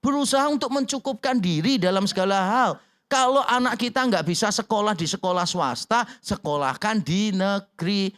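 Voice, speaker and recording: High-voiced pastor preaching with humor. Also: male voice, normal speed, fairly bright tone. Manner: humorous, acts out quoted dialogue in voices. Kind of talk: sermon. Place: church.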